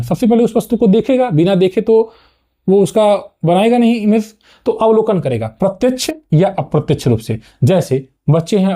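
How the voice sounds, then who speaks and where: High, dark-toned man teaching a lesson. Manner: repeats "ठीक है" and restarts words while explaining. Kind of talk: explanatory lecture.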